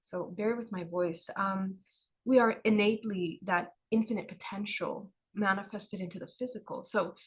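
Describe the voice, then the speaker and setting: Hoarse, husky-voiced woman teaching softly. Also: medium pitch, steady tone, normal speed. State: hoarse, losing her voice. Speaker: spiritual teacher. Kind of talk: livestream spiritual talk.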